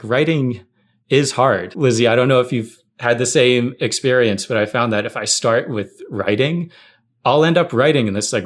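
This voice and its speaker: A man talking conversationally and anecdotally as a guest in a casual podcast chat. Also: mid-range voice. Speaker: tech writer, podcast guest.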